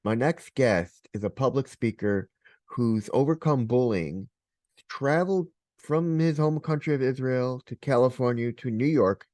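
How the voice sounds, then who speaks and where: Podcast host, man, mid-pitched, straightforward questioner, dry booth sound. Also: a little mellow, dry recording. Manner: plain, direct questions. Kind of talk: interview hosting.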